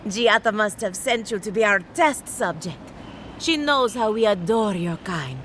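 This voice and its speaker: Eccentric, animated, patronizing researcher. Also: female voice, mid-range voice, unhurried, slight background noise. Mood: prying, smug. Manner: theatrical, clinical, patronizing, sing-song. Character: eccentric, condescending woman researcher, fascinated by her specimen. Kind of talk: video game character dialogue.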